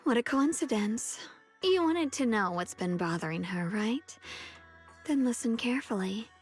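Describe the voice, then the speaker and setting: An actress voicing a young swordswoman in an anime-style video game, with a soft, measured delivery. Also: fairly high pitch, expressive, faint music behind, close to an everyday voice. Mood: sly, mysterious.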